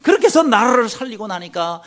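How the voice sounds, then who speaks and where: High-pitched, animated male preacher. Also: fast. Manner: preaching with rhetorical questions to the congregation; acts out anguished quoted pleas in a raised voice. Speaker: pastor. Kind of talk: sermon.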